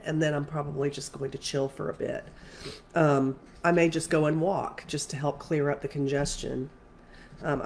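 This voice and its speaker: Congested and low-pitched, a woman spiritual coach talks casually to camera, rambling with lots of fillers and restarts. There is slight background noise.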